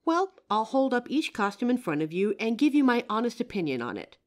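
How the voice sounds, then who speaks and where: A woman playing a friendly, curious psychic who helps out in a costume shop, chatting expressively to the listener in a roleplay audio drama. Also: a little high. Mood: helpful, confiding. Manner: chatty, expressive, with pauses and soft laughs. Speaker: voice actor. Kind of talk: roleplay audio drama, one side of a chat addressed to the listener.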